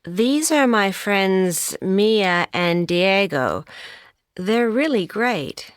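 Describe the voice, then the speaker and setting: A woman voices a friend introducing her friends. Her smooth voice speaks very slowly. The recording is dry. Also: mid-range voice, expressive, dry recording. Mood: friendly. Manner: very slow, careful.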